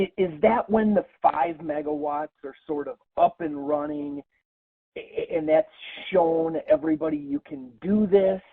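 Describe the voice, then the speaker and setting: A man's voice: high voice, creaky, breathy edge, no echo. A male analyst asking a question on an earnings call, hesitant and stammering. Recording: phone line audio.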